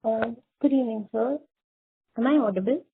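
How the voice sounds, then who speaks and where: Sex: woman. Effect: on speakerphone. Sound: tinny phone line, distant, dry. Pitch: fairly high. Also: moderate pace, husky, no room sound. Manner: polite, deferential. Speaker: analyst caller on an earnings call. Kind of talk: asking questions on a conference call.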